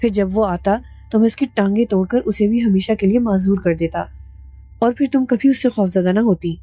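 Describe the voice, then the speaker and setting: A hot-tempered young husband presses his point firmly and insistently, as a woman storyteller gives him voice. The tone stays mellow and the recording is close and dry. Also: medium pitch, dry recording, lightly acted. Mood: stern. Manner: firm and insistent.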